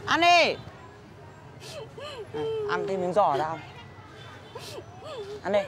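A woman's voice: medium pitch, huge pitch swings, extremely slow, a loud crowd, heavily acted. An actress playing a blunt market woman who scolds and comforts her crying friend. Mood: scolding. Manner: bossy, scolding. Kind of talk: TV drama acting.

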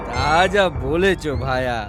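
A man voicing an amiable, grumbling old court poet in a cartoon. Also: on the high side. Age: older. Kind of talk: cartoon voice acting. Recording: music behind the voice.

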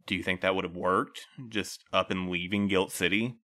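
A man playing a calm, patient middle-aged postmaster who interviews new couriers, speaking gently and in a measured way. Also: low voice. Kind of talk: audio drama acting.

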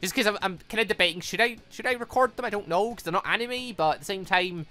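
A gaming video host giving casual, chatty, rambling playthrough commentary in an animated way. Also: mid-range voice, fast. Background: background music.

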